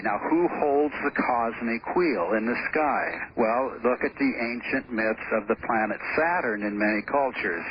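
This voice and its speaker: A man who is a radio guest, explaining his theory over the phone in steady, lecturing talk with "uh" pauses. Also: medium pitch, dull audio, a little hiss or hum.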